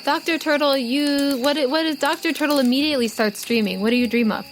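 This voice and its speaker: A woman's voice: high voice, brisk. A woman hosting a tabletop role-playing podcast as game master. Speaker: game master, host and producer. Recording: loud music behind the voice.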